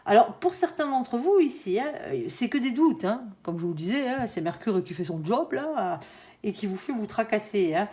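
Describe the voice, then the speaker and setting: A woman's voice: medium pitch, very animated, moderate pace, mellow. A woman with a Southern French accent giving a casual, chatty tarot reading to her viewers. She fills her talk with little tag words and laughs at her own jokes. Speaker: tarot reader.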